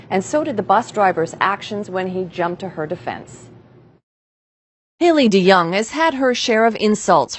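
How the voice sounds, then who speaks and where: A female TV reporter delivers a news story in a lowish voice with an even, polished delivery. Faint background noise sits under her.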